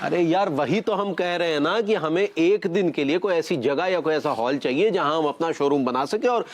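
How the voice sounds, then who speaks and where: An actor playing a pompous, impatient small-time trader. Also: male voice, on the high side, moderate pace, close to an everyday voice.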